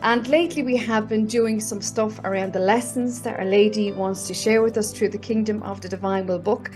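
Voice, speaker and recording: A woman's voice: mid-range voice, fairly even intonation, a little fast, faint music behind. A woman, hosting a casual online interview with enthusiasm, full of fillers and restarts. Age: 50s. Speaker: host. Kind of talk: casual video-call interview.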